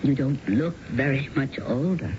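A noisy old radio drama recording of a low female voice. It is a gentle, patient wife who speaks in measured, forbearing phrases. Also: dull audio. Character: gentle, patient wife of a middle-aged husband. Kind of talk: 1970s radio drama acting.

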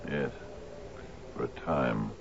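An actor playing a grave, grieving older sea captain in a radio drama, halting and ruminative, with a gravelly voice. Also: male voice, rumbling low, heavily acted. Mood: mournful. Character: grave, distracted old sea captain in mourning. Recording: muffled, noisy old radio broadcast recording.

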